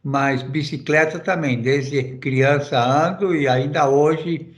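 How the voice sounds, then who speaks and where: A man's voice: a little high, steady tone, takes it slowly, roomy sound. A middle-aged man from Argentina, answering interview questions casually, rambling with many fillers and restarts. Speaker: interview guest.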